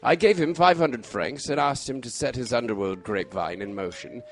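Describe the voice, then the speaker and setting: An actor playing a shrewd, composed Victorian gentleman detective in a mystery drama, precise, formal and assured. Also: medium pitch, moderate pace, lightly acted. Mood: wry, assured. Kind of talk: radio-style mystery drama acting.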